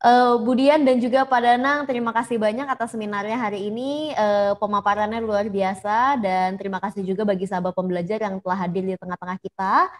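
A woman's voice: medium pitch, fairly even intonation, brisk. A woman hosting an online seminar over a video call, politely thanking the speakers and reading out viewer comments. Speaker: seminar moderator. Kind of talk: hosting a webinar.

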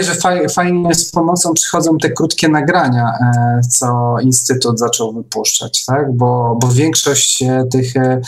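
A man hosting a casual online chat, speaking in a hesitant, halting way. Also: mid-range voice, low-quality recording. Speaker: host.

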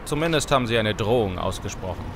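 Ein Mann spielt in einem deutschen Hörspiel einen gebieterischen, besonnenen Straßengangboss, der im Slang Befehle gibt. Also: male voice, fairly low pitch, lively intonation, quick pace, vocal fry, slight background noise. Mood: firm, bossy. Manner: authoritative, slangy, giving orders. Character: commanding Brooklyn street gang leader, male, urging prudence. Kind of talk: German audio drama acting.

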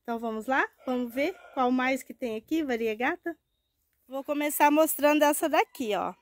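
A woman in her fifties from Brazil, hoarse from a cold, chatting warmly about her succulents in a shaded greenhouse nursery. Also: high voice, moderate pace, no echo. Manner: chatty and affectionate, tag questions and diminutives. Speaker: succulent grower. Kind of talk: casual plant-care vlog. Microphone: wired lapel mic.

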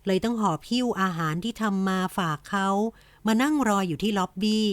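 Gentle woman narrating a romance novel. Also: mid-range voice, a little fast, no room sound. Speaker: audiobook narrator.

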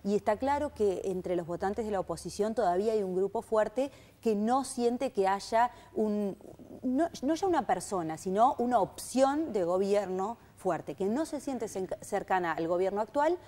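A woman's voice: mid-range voice, lively intonation, moderate pace, mellow. A woman speaking as a public opinion analyst on a panel, explaining things and checking in with her listeners. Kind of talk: panel discussion.

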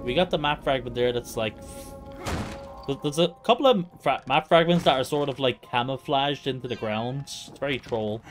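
A man's voice: mid-range voice, moderate pace, soft background music. A man giving casual live commentary as he plays through a video game. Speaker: video game streamer, speedrunner. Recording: faint noise, game audio behind. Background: video game ambience.

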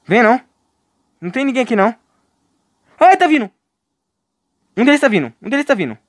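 A man's voice: very high voice, sing-song, a little fast, dry recording, clean studio sound. A young man with a Brazilian Portuguese accent streaming a horror game live, joking with his chat and breaking into panicked yelps when scared. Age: young adult. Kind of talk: live gameplay commentary.

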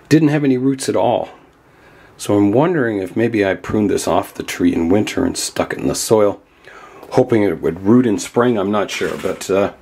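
An older man with a hoarse voice from a cold, hosting a bonsai channel and chatting casually as he works with his hands in a glass greenhouse, thinking aloud as he goes. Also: medium pitch, a little mellow.

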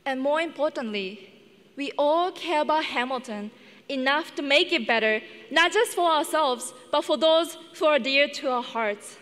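A young woman from Japan giving an earnest, measured commencement speech on a headset mic. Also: high-pitched, lively intonation, a bit bright. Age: young adult. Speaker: student class speaker. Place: large indoor arena stage. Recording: long arena reverb.

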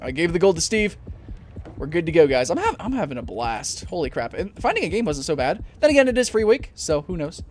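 A young man commentating his gameplay at a desk mic at home, jumpy and swearing, often breaking into panicked shouts. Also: fairly high pitch, very animated, a little fast, a little hiss or hum. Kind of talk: let's play commentary.

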